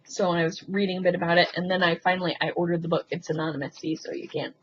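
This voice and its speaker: A woman talking in a casual, rambling confessional vlog, hesitant and halting as she thinks aloud with frequent ums. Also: lowish voice, flat delivery. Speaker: video blogger. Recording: muffled lo-fi sound with faint background noise.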